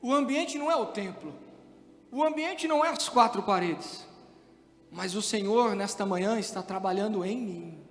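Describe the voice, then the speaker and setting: Brief: male Brazilian pastor, São Paulo accent, very high voice, sermon that swells from soft to shouted, long church-hall reverb. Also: animated, moderate pace. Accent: Brazilian Portuguese, São Paulo state. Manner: swings from hushed, intimate passages to loud shouted preaching.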